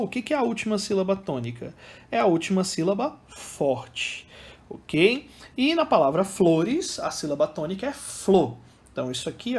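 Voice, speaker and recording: A man with a Brazilian accent teaching literature in an exam-prep lecture, chatty and speaking straight to his students. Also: sits high. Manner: chatty, addresses students directly, counts syllables aloud.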